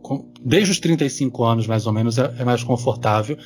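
A man's voice: mid-range voice, fairly quick. A man, chatting candidly on a podcast with lots of casual fillers. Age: 40s. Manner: candid, conversational, fillers like "sabe". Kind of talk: casual chat.

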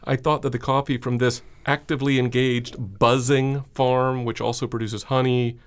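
A man's voice: medium pitch, little pitch movement, moderate pace. A man with a Southern American accent co-hosting a podcast in a jokey, rambling way, laughing often. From Southern United States. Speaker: podcast co-host. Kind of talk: casual chat.

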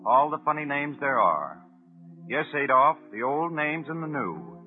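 Young American soldier, defiant and punchy, 1940s radio drama, thin phone-like vintage sound, faint music. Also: male voice, a little high, sing-song, unhurried. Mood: defiant, resolute. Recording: tinny, narrow-band vintage 1940s radio broadcast.

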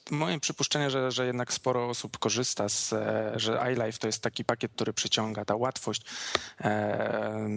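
A man's voice: fairly low pitch, vocal fry, no echo. Man speaking through a voice changer. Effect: voice changer disguising his voice. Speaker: anonymous podcast guest. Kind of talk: casual tech chat.

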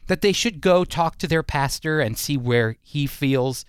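A man's voice: on the high side, measured pace, smooth, no echo, clean studio sound. A man hosting a Christian radio interview in an earnest, explanatory, conversational way. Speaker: radio host.

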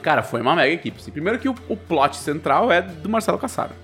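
A man's voice: on the high side, very animated, quick pace, fairly bright tone. Casual, slangy Brazilian man podcasting over music. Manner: informal, slangy and sweary. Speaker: podcast co-host and tabletop RPG writer.

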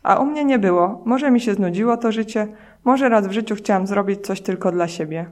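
A woman reading the lines of a quiet, matter-of-fact dead young woman in a book excerpt, in a plain, unhurried voice. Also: mid-range voice, lightly acted. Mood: calm.

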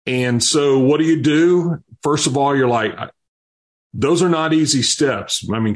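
A man's voice: medium pitch, breathy edge. A man in his fifties, an interview guest, telling personal stories earnestly with frequent restarts. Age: 50s. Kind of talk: interview storytelling.

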